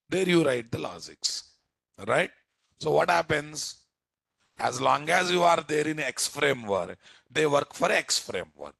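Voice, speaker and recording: A man's voice: mid-range voice, vocal fry, fairly bright tone, no room sound. A man with a Telugu Indian accent giving an informal technical lecture as a programming teacher, often putting check questions to his listeners. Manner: asks frequent rhetorical check questions.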